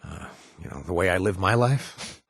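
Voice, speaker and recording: A husky, halting ex-raider guy. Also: low-pitched, expressive, no room sound, clean studio sound, full character voice. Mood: somber. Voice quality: husky, halting with many fillers and restarts. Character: reformed ex-raider man, gentle and awkward. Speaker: companion character. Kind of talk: video game voice acting.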